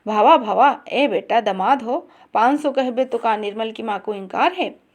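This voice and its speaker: A woman's voice: a little high, moderate pace, natural voice. A woman reading the part of a shrewd, greedy old aunt in a spoken story, in a haggling, bossy tone.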